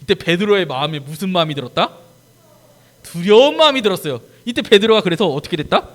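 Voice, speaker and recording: Male preacher for children: high, bouncy voice that acts out the story and keeps asking the kids questions. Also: fast. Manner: animated storytelling, acting out scenes and quizzing the kids. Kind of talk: children's sermon. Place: church.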